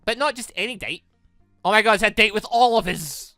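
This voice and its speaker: A gaming YouTuber giving animated, exclamatory commentary while playing and reading out a visual novel game, with music playing behind. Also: mid-range voice, a little fast, no echo, clean studio sound. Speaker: gaming YouTuber, let's player.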